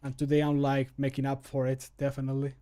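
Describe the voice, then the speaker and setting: A thirty-something streamer who also does amateur voice acting mutters casually while working at home, making fun of himself. His medium-pitched voice is warm but completely flat in delivery, and he speaks fast into a close desk mic.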